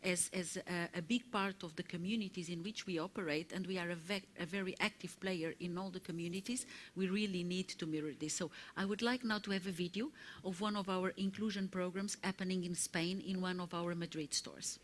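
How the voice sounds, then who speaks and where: Woman, low voice, corporate speaker at a conference, halting and filler-heavy. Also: steady tone, a little hiss or hum. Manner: halting, with many "uh" fillers and restarts. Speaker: corporate public affairs speaker. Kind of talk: conference panel remarks. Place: conference hall.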